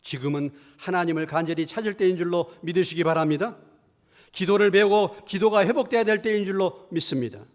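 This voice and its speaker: Middle-aged male pastor, fairly high voice, preaching with rhetorical questions, hushed asides and loud emphatic peaks. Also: brisk. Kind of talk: sermon. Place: church sanctuary.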